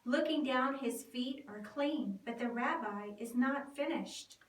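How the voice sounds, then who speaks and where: A woman reading a dramatic scripted narration in deliberate, storytelling phrases. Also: sits high. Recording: echoey room, distant mic.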